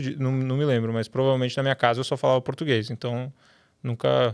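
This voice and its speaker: This man has a normal speaking voice at a medium pitch and moves at a fairly quick pace. The recording is very clean, with a silent background. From Brazil, São Paulo. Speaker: startup founder and CEO. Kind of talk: casual interview.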